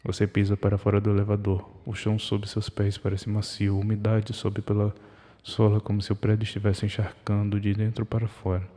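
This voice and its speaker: A man reading a scripted horror story in the second person, measured and ominous, in short broken phrases. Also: fairly low pitch, completely flat delivery, mellow. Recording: long hall reverb.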